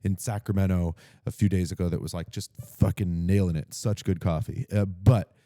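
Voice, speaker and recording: A man co-hosting a podcast in casual chat, halting often with fillers and restarts. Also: deep voice, fairly even intonation, warm tone, dry recording, clean studio sound. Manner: hesitant, filler-heavy, laughing. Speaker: podcast co-host, comedian.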